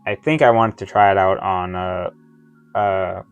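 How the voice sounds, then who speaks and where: Male unboxing reviewer, lowish clear voice, lightly lisping from retainers, hesitant and meandering casual chat. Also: fairly even intonation, soft background music. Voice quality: slight lisp from wearing dental retainers. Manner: halting, rambling, often losing his thread. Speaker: toy review vlogger. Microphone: close microphone within his reach.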